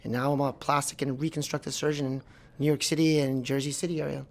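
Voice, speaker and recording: A man in his forties from South Florida, a plastic surgeon talking casually as a podcast guest, animated and rambling with many restarts. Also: mid-range voice, quick pace, creaky. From South Florida, United States. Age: 40s. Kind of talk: casual interview talk. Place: podcast studio.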